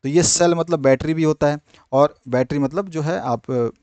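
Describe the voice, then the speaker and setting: Man teaching, slow English reading. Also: on the high side, a little mellow, no room sound. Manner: explains in Hindi, slowly reading out English definitions; repeats filler phrases like "thik hai" and "jo hai". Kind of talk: exam-prep lesson.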